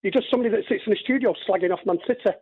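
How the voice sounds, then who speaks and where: A male radio caller on a dull, muffled phone line, arguing in a rapid, raised voice. He accuses the host and keeps talking over him. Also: high-pitched, a crowd in the background. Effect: caller's voice heard over a phone line. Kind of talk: heated phone-in argument.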